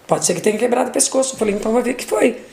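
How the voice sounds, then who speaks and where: A middle-aged mother gives an emotional testimony, retelling conversations and repeating words, with her voice jumping high at the most intense moments. She talks very fast in a creaky voice, recorded in an echoey room with a noisy background.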